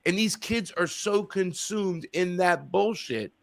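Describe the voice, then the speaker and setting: A man hosting a call-in talk show, chatting casually, rambling and profane, getting loud and animated when he rants. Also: sits high, slow pace, gravelly, no echo. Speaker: radio show host.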